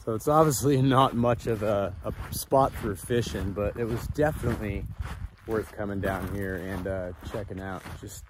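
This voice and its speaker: A man in his thirties vlogging a fishing road trip, thinking aloud in a relaxed, easygoing way with frequent fillers, filmed on a handheld camera outdoors and in a truck. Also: lowish voice, normal speed. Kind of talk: casual outdoor vlog narration. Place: outdoors on a lake and in a truck cab. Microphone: action camera or phone held close. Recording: loud wind and engine noise.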